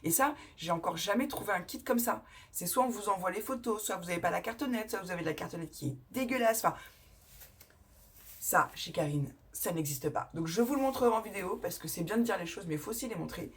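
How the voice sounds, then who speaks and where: A scrapbooking vlogger chats casually through a haul video, showing her crafting purchases to the camera. Her mid-range voice is breathy at the edges, with lively intonation and a fast pace. She rambles enthusiastically, often correcting herself and laughing.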